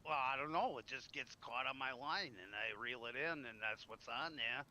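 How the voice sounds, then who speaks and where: A man's voice: medium pitch, normal speed, bright, forceful tone. A man rambling in a folksy, casual way while playing along in a survival roleplay game. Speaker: player in a zombie survival roleplay stream. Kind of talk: casual in-character roleplay chat. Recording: faint background noise.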